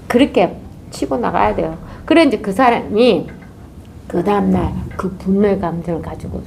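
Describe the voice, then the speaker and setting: A woman's voice: medium pitch, unhurried, vocal fry, a little hiss or hum. A woman giving a dharma talk as a Zen teacher, telling a story and acting out its characters. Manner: animated, acts out characters.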